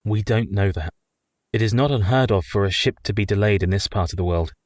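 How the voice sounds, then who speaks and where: An actor playing an earnest young husband in a radio play, measured and resolute. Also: male voice, lowish voice, a little mellow, no room sound, clean studio sound, natural voice. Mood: cautious, resolute. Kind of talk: community radio play acting.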